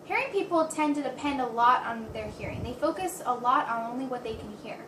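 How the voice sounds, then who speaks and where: A woman voice-interpreting an informal presentation, speaking a little haltingly and rephrasing as she goes. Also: on the high side, animated. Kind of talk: spoken interpretation of a signed talk, informal presentation. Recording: roomy echo, distant mic, background hiss.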